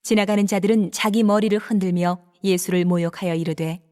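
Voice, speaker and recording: Woman narrator reading scripture, measured. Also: medium pitch, fairly even intonation, darkish tone.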